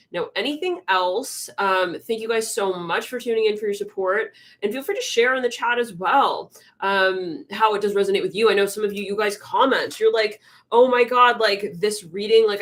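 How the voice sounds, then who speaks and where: A woman's voice: mid-range voice, fairly bright tone. A young woman hosting a live tarot stream, chatting casually with lots of fillers, her voice a little congested. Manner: rambling, filler-heavy, chatty, often murmurs to herself.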